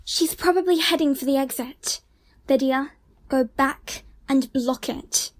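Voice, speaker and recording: A woman playing a quick-thinking, take-charge character in an audio drama. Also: high voice, dry recording. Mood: commanding.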